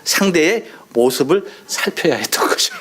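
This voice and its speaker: A man's voice: fairly high pitch, wildly swooping pitch, normal speed, fairly bright tone. A male pastor from Chungcheong preaching a sermon in a playful, storytelling way, mimicking dialect phrases. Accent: Chungcheong Korean. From Chungcheong, South Korea. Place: church sanctuary.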